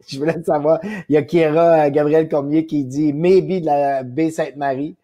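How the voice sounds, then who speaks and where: A man's voice: on the high side, steady tone, a little slow, mellow. A man hosting a live show, asking long, winding questions and reading out viewer comments. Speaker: host.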